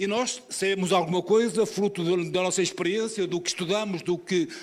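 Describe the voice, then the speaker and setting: The speaker has a European Portuguese accent and a moderate pace. Pitch variation is ordinary. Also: man. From Portugal. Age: 70s. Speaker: football coaches' association president. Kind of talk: conference talk.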